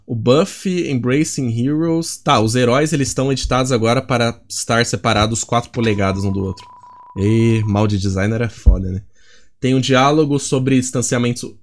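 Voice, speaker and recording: A man from Brazil doing let's play commentary as a gaming YouTuber, joking, chatty and profane. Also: mid-range voice.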